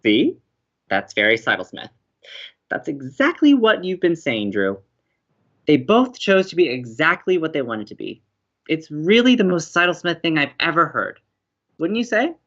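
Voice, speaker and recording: A woman's voice: low voice, sing-song, normal speed, highs cut off. A woman playing an upbeat, romantic young college radio co-host in an audio comedy, with an effusive, earnest way of talking. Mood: elated, romantic.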